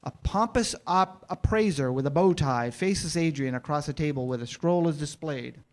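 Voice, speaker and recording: A man's voice: a little high, normal speed. A man serves as narrator for a staged reading. He delivers scripted scene descriptions and stage directions in the present tense.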